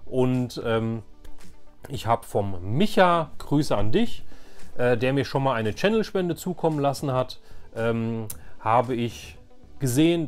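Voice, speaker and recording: A man's voice: mid-range voice, darkish tone. A man chatting casually and enthusiastically to viewers as he hosts a video about his collection. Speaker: YouTube toy collector, host.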